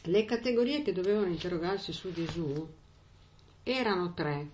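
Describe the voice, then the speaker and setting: A woman's voice: fairly low pitch, moderate pace, darkish tone. A woman preaching a sermon in a conversational way, often checking in with her listeners with little asides.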